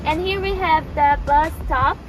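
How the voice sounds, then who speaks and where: A woman's voice: sits high, a little slow. A young woman vlogging a casual tour of her university campus, chatting and pointing things out as she walks. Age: young adult. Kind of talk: casual vlog tour narration. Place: outdoors and indoors on a university campus. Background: background music.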